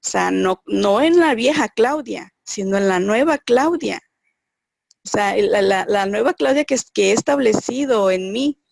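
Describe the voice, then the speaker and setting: Gravelly-voiced woman sharing testimony. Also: mid-range voice, animated, unhurried, a little mellow, dry recording. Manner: earnest, searching, thinks aloud. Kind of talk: personal faith testimony.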